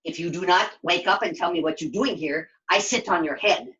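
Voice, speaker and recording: A woman voicing a grumpy forest monster in a puppet show, blunt and gruff, talking in broken grammar. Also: fairly low pitch, a little fast, fairly bright tone, highs cut off, pitched below the performer's own voice, natural voice. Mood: grumbling. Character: grumpy forest monster, blunt, easily exasperated, secretly kind.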